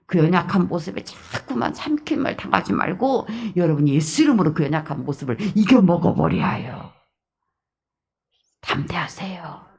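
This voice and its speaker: A woman pastor with a Jeolla Korean accent, preaching an early-morning sermon in an emphatic, repetitive way with hushed asides. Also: lowish voice, lively intonation, normal speed, vocal fry, slightly rough.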